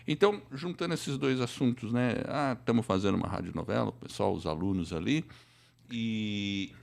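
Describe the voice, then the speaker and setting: A man's voice: fairly low pitch, creaky. A man with a Brazilian Portuguese accent hosting a casual live interview, explaining things in a colloquial way. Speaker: podcast host and podcasting teacher.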